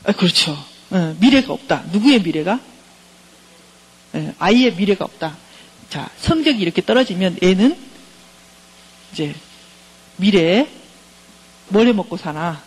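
A woman's voice: mid-range voice, expressive, unhurried, long pauses, husky, low-quality recording. A middle-aged woman professor giving a counseling lecture, engaging her listeners by keeping on asking them questions.

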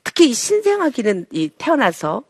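A woman giving a sermon-like lecture on Christian parenting, animated and acting out quotes, sometimes dropping to a whisper for emphasis. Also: high-pitched, moderate pace, husky, dry recording.

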